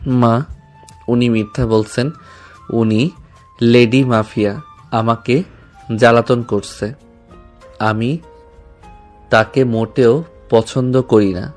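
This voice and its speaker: A man voices a shy, flustered young man in an audio love story. He talks slowly and haltingly, breaking his lines into pieces. Faint music runs underneath. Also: medium pitch, steady tone, darkish tone, natural voice. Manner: hesitant, halting speech. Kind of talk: audio drama acting.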